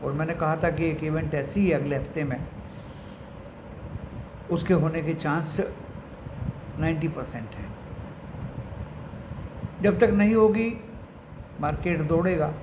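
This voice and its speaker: An Indian man with a slightly high voice speaks in an echoey room with clear noise behind him. He gives unscripted market commentary as a channel host. He often slips into English phrases and addresses his viewers as friends. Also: takes it slowly, long pauses.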